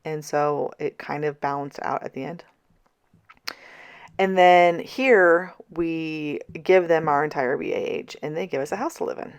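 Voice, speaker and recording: A woman in her thirties chatting casually in a vlog, tired, her voice scratchy and hoarse, going out as she talks. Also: low-pitched, unhurried. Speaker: vlogger. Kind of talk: casual planner vlog chat.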